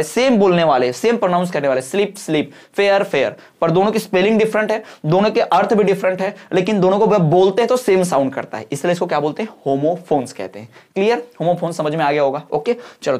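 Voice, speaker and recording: A male teacher giving an exam-prep lecture, explaining patiently, reading English sentences out slowly and often checking that students follow. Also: high voice. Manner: mixes Hindi with slowly read English sentences.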